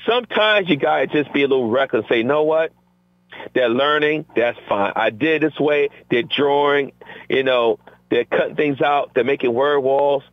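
A man's voice: mid-range voice, normal speed, no echo. A middle-aged male teacher speaking as an interview guest, talking energetically and acting out what he and his students say. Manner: energetic, acts out quotes from classroom exchanges. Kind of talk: conversational interview. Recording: tinny phone-line audio.

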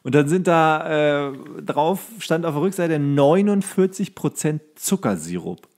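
A man's voice: fairly high pitch, lively intonation, measured pace, darkish tone. A man co-hosting a podcast in casual comedic banter, talking in a colloquial, slangy and joking way. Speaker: podcast co-host.

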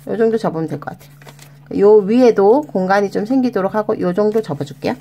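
A woman's voice: mid-range voice, fast talker, dark tone. A woman hosting a children's origami tutorial, guiding step by step in a coaxing, sing-song way and talking to the kids as her friends. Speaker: children's origami channel host.

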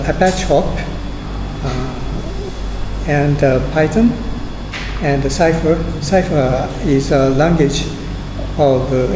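Japanese man, middle-aged, Japanese accent, slow halting delivery, slightly high voice, echoey hall. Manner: halting, many fillers and restarts. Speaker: conference speaker. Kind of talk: conference talk presentation. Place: large conference room. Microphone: room mic at the lectern. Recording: echoey hall, air conditioner hum.

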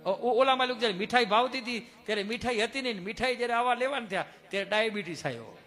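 High-voiced preacher. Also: male voice, quick pace, bright, forceful tone. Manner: earnest, homely storytelling with village sayings. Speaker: temple head giving a satsang. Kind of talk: folk storytelling sermon.

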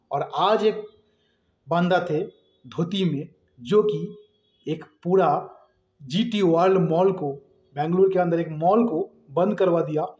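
High-voiced man in an echoey room. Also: darkish tone. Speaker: vlogger. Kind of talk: casual opinion vlog to camera. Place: small room indoors. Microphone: phone at arm's length. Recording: dull, roomy phone recording.

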